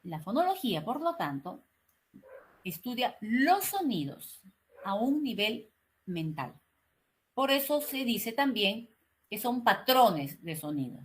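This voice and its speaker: A woman teaching an online class, speaking slowly and articulating each word with care, with frequent checking questions and hesitations. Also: fairly high pitch, very animated. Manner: slow, carefully articulated explaining; frequent "¿no?" and "eh" fillers.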